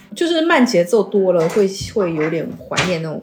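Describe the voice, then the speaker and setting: Over noticeable background noise, a woman speaks at a fairly quick pace and a medium pitch. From Quanzhou, Fujian, China (Minnan region). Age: 30s. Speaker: video blogger. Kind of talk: interview. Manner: hesitant, many fillers.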